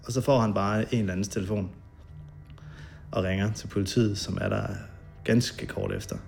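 Gravelly man recalling an old night. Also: lowish voice, fairly even intonation, a little mellow, soft background music. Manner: halting, many fillers, vivid retelling. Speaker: interviewee. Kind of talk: recounting a memory.

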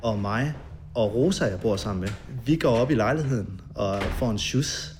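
A man being interviewed, recounting a memory in a halting way with many fillers and vivid detail. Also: on the low side, lively intonation, a little mellow, faint music behind.

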